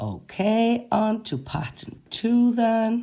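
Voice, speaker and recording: This woman has a dark, mellow tone. Her voice is somewhat breathy. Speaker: crochet instructor. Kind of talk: tutorial. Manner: slow.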